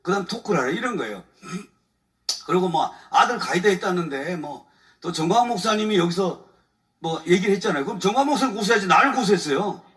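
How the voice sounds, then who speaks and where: This is a high-pitched, expressive, fairly bright male voice, speaking a little fast and captured from a distance. He's a lawyer delivering a lively, colloquial testimony at a church evening service, airing his grievances to the congregation and chuckling frequently.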